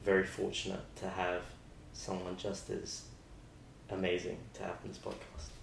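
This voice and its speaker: Deep-voiced young man hosting. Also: monotone, normal speed, gravelly. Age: 20s. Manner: rambling, friendly, many restarts. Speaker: podcast host. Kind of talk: casual interview chat. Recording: roomy sound with faint noise.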